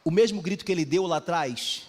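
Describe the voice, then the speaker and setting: A man with a Brazilian Portuguese accent preaching a fervent sermon, often rising to shouted exhortations, in an echoey church hall. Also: a little high, a little fast. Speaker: pastor.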